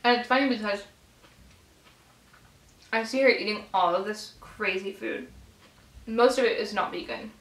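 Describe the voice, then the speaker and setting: A woman in her twenties chatting casually to camera over a meal, informal and animated, chewing as she talks. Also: mid-range voice, normal speed, pauses often, slight background noise. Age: 20s. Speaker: vlogger. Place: small bedroom, indoors. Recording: echoey room sound.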